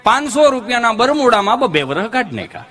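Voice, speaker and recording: A stand-up comedian tells folksy stories in a Kathiawadi Gujarati accent, sing-song and loaded with dialect slang. His voice is very high, fast, and sharp.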